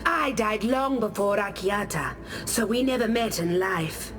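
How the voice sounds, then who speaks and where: An actress voicing an aloof, scholarly tribal warrior spirit in a video game, speaking in a measured, reflective storytelling way. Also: female voice, medium pitch, close to an everyday voice. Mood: guarded, reflective. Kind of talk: scripted game character monologue. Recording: game music behind the voice.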